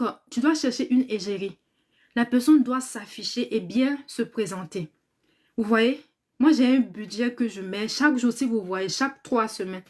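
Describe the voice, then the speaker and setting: Chatty tired woman on a live stream. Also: a little high. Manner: warm and chatty, repeats words, thanks viewers, prays aloud. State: tired, in convalescence. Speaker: cosmetics business trainer on a live stream. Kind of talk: casual live-stream chat, reading viewer comments aloud.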